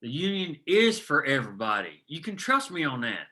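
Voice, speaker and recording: A man's voice: fairly high pitch, sing-song, normal speed, pushed and bright. A man playing an earnest, hot-headed miner who rallies others to a union, in a screenplay table read.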